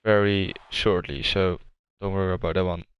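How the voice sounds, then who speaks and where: Relaxed lower-voiced male co-caster. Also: moderate pace, clean tone, no echo. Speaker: co-commentator. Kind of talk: live race commentary.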